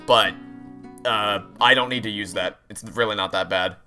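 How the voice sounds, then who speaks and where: A man's voice: fairly low pitch, normal speed, sharp tone. A young man giving casual, opinionated, rambling commentary as he plays through a video game. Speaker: video game playthrough streamer. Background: game music.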